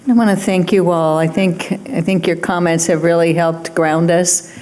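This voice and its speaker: A woman's voice: lowish voice, fairly even intonation, moderate pace, darkish tone, a little hiss or hum. A woman moderating a panel, thanking the speakers graciously. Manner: gracious, wrapping up.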